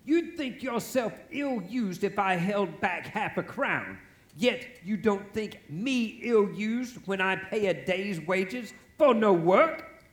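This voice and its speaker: A man's voice: high voice, expressive, slow. A man playing a grumpy, miserly old businessman in a stage radio play, curt, scolding and theatrical. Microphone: shared stage microphone. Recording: live stage recording with music.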